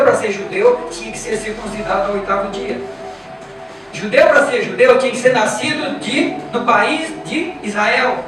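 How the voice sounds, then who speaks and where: A man's voice: extremely high pitch, far from the mic. A Brazilian man preaching a sermon with a Brazilian Portuguese accent, emphatic and repetitive, putting rhetorical questions to his congregation. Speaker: pastor. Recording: echoey church from afar with music.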